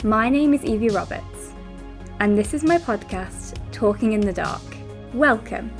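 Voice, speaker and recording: Higher-voiced woman hosting a podcast. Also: expressive, a little slow, soft background music. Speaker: podcast host. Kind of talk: scripted intro then casual interview.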